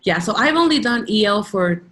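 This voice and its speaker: A woman's voice: mid-range voice, lively intonation, a little fast, fairly bright tone. A woman from the Dominican Republic, a teacher, talking casually in an interview with lots of "like" fillers and restarts. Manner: chatty, many "like" fillers and restarts.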